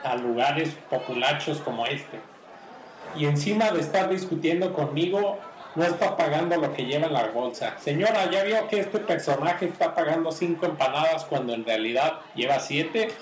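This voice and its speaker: Man playing a prim, formal gentleman. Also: fairly high pitch, animated, normal speed, slight background noise, close to an everyday voice. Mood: prim indignant. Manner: stiffly formal, politely indignant. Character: prim, courteous male gentleman of justice. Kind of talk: amateur radio drama acting. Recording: roomy echo.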